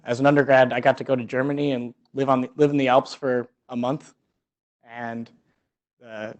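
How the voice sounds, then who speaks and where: A man presenting research at an academic seminar in a conversational, explanatory way, often rewording his phrases as he thinks aloud. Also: medium pitch. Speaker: research scientist giving a seminar talk.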